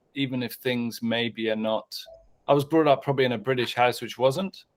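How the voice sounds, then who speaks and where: His speech moves at a fairly quick pace. He has an English accent. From England. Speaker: client. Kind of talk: casual chat. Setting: video call.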